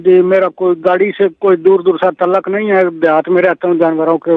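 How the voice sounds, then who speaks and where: Halting man on the phone. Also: high voice, level tone. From Pakistan. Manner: halting, simple village speech. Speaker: caller. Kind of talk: phone call to a call-in show. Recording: tinny dry phone line.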